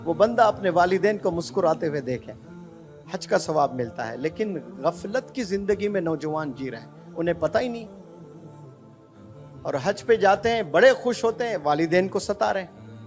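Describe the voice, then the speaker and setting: A man's voice: sits high, expressive, soft background music. A man preaching an emotional Islamic sermon, impassioned and exhorting, full of rhetorical questions.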